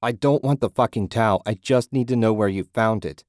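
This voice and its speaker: A man voicing a desperate young man who is shouting questions about a missing friend. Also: medium pitch, normal speed, no room sound, clean studio sound, voice pushed up, close to an everyday voice. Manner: urgent, shouting.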